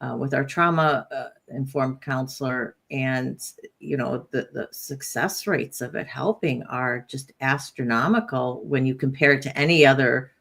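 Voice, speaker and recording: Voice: mid-range voice, a little slow, vocal fry, hardly any pauses, a bit bright. A host of a live-stream interview, supportive in tone, reading out viewer comments between questions.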